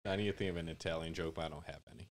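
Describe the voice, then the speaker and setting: A man's voice: very deep voice, fairly even intonation, racing. A man from Connecticut, a podcast guest, chatting in a laid-back, joking way with a lot of "like" in a studio. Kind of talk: casual podcast chat.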